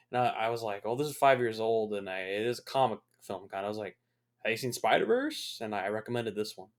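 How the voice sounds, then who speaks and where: Over a silent background on a very clean recording, a man speaks very fast at a medium pitch with fairly even intonation. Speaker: movie commentary youtuber. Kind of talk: casual movie commentary. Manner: loud.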